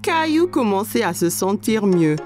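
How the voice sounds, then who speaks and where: A woman reading scripted narration for a children's story, telling it clearly for young listeners. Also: mid-range voice, very animated, measured pace, a little mellow, soft background music.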